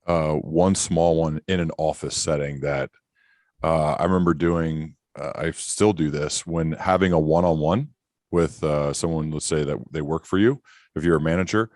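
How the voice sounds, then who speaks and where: A man's voice: very deep voice, darkish tone, dry recording, studio quality. A man hosting a podcast, telling anecdotes in a casual, conversational way. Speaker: podcast host.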